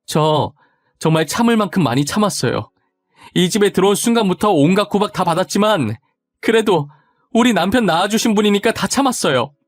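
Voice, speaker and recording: A man's voice: sits high, expressive, brisk, dry recording, soft background music, voice pushed up. A man voicing a desperate pleading young wife. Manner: pleading, insistent, rambling.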